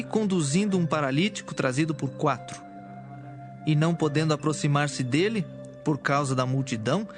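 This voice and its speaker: A man narrating a dramatized audio Bible in a solemn, formal storytelling style. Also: a little high.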